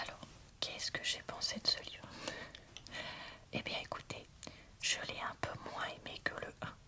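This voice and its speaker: A woman whispers in a breathy, unvoiced ASMR style, speaking informally and frankly as she reads and reviews books. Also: bright, forceful tone. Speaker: book reviewer.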